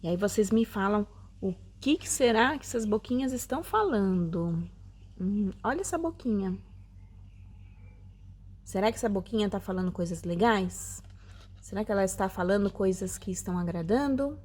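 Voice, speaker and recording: A woman's voice: mid-range voice, animated, moderate pace, darkish tone, slightly rough. A woman teaching a children's Sunday school lesson from home, with a sweet, coaxing manner and many questions to the kids. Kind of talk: children's Bible lesson, talking to the camera.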